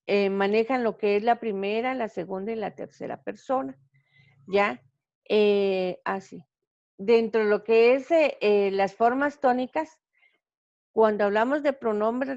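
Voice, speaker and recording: A woman teacher talks through grammar slides in a slow, deliberate lecture, stopping often for fillers and corrections. Her fairly high voice carries a gravelly fry. The sound is dry and dull, like a lo-fi home recording. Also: darkish tone, no room sound. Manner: slow, halting delivery with frequent fillers and self-corrections.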